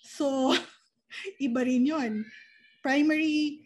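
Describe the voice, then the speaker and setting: Woman, childhood education guest, calm explainer, rhetorical questions, high voice, dark tone. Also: drawn-out words, rough recording. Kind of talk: explanatory interview talk.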